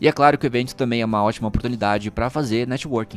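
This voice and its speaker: Over music in the background, a man talks at a very fast pace with an interior São Paulo accent. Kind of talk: promotional, announcing.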